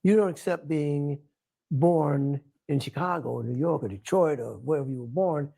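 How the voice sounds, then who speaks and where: A man's voice: fairly high pitch, normal speed, creaky, dark tone, slightly rough, low-quality recording. A man speaking emphatically and insistently in an interview clip.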